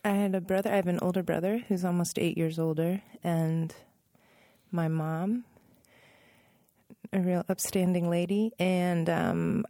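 A woman in her thirties talks through her memories in a studio interview. Her voice sits low, with a gravelly fry and a mellow tone, and the sound is close and dry. She often stops to rephrase and laughs softly now and then. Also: no echo. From Northern Virginia, USA. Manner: thoughtful, self-correcting, laughs softly. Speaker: musician guest. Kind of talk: relaxed interview conversation.

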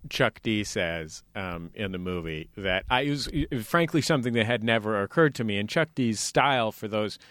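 A man's voice: lowish voice, expressive, moderate pace, hardly any pauses, a bit bright, dry recording. A man hosting an interview, who explains his points at length and laughs easily. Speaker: radio interview host. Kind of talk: interview talk.

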